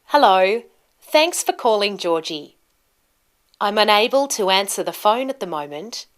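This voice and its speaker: A woman in her thirties giving a scripted pronunciation lesson, enunciating carefully and deliberately with marked word stress. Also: medium pitch, very animated. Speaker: pronunciation teacher. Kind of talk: instructional lesson to camera, scripted. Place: small indoor studio with plain backdrop.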